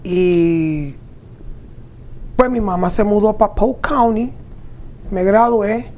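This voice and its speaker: A man's voice: high voice, slow pace, a little mellow, slight background noise. A man from Ponce, Puerto Rico, with a Puerto Rican accent, giving long, detailed answers as an artisan guest with English fillers. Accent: Puerto Rican Spanish. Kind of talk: interview answers.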